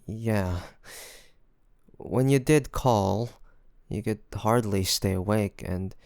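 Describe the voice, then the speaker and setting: Man acting as a slow-talking, gentle, worried boyfriend. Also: fairly low pitch, gravelly, smooth, no echo, clean studio sound. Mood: concerned, pleading. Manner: gentle, hesitant, pleading, with sighs and pauses. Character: loving, worried boyfriend coaxing his sick partner to rest. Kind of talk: intimate roleplay audio drama, one-sided conversation.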